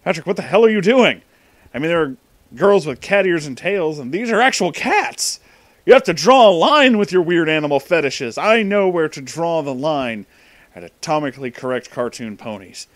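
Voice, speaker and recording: Man playing an indignant, high-voiced nerd guy. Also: big pitch swings, normal speed, no echo. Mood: exasperated. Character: bossy exasperated male nerd adventurer, scolding friend.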